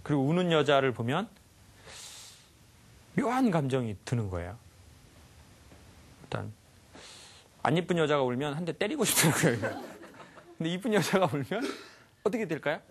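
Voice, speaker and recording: A man giving a lively life lecture to a live audience, often asking them questions and acting out sounds. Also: a little high, normal speed, long pauses, slight background noise. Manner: animated, asks the audience questions, acts out sounds.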